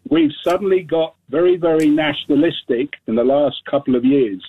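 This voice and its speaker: A man's voice: on the high side, lively intonation, a little fast, slightly rough. A seventy-year-old man calling into a radio talk show, insistent and talking over the host. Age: 70s. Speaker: caller. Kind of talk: radio phone-in call. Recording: phone line.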